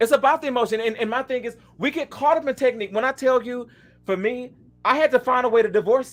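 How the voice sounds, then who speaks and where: Talking at a very fast pace with an American accent, a man uses an animated tone, an extremely high pitch and ordinary pitch variation. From US South, Tifton, Georgia. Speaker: host of online vocal masterclass show. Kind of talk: casual chat. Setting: video call.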